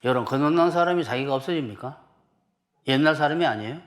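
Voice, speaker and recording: A man's voice: fairly high pitch, fast. A middle-aged man from South Korea preaching a sermon as pastor, emphatic and full of rhetorical questions to the congregation.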